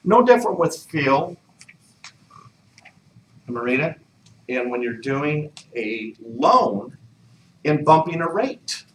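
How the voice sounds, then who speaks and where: A man's voice: on the high side, very animated, slow, pauses often, slight background noise. A man leading a real estate training session, coaching the group with repeated questions. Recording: echoey room, mic far off.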